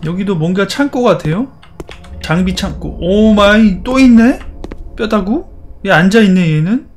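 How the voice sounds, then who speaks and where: A man's voice: high voice, normal speed, slight background noise. A man playing a horror game and commenting, teasing the characters in playful chatter. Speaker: gaming YouTuber.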